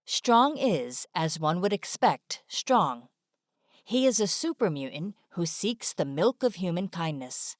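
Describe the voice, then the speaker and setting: Casting: female explainer narrator, slightly deep, scripted informational read, dry studio voice-over. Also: big pitch swings, slow pace, no room sound.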